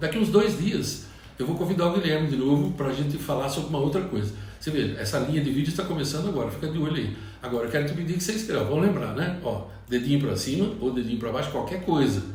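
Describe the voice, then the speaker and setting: Lively intonation at a very fast pace. The room echoes audibly and background noise is noticeable. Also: man, fairly high pitch for a man. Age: 50s. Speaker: business coach YouTuber. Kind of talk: casual chat.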